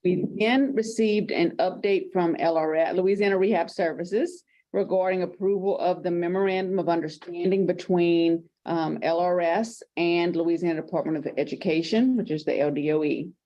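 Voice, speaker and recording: A woman reads out a committee report at a public council meeting. Her voice is low-set and mellow. She works from notes, adding fillers and correcting herself now and then. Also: steady tone, moderate pace, hardly any pauses, highs cut off. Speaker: committee member giving a report.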